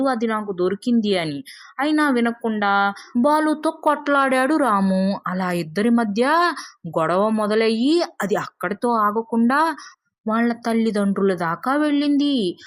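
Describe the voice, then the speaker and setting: Woman voicing a curious, higher-pitched young schoolboy. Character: curious, astonished young schoolboy telling his grandfather. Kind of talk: acted storybook dialogue.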